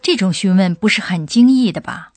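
A woman's voice: mid-range voice, expressive, a little fast, darkish tone, dry recording. A woman hosting a radio language lesson, prompting the professor with questions and giving examples. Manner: inquisitive, prompts the expert with questions. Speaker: host.

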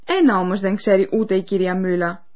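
A woman presenting a radio language course, explaining clearly and speaking to listeners in scripted educational narration. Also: medium pitch. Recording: dull lo-fi radio recording.

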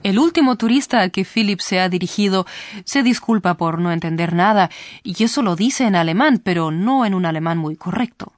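A woman hosts a scripted language lesson and explains each point clearly to the listeners. Her pitch sits in a middle range. The recording is dry and close. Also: expressive, fairly quick, no echo. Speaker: host.

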